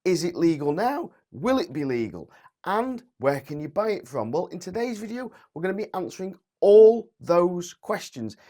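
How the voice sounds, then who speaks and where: A man, hosting a chatty explainer vlog and speaking straight to his viewers, his voice croaky and hoarse. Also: high-pitched, very animated, moderate pace, mellow. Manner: chatty, addresses viewers directly. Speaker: channel host.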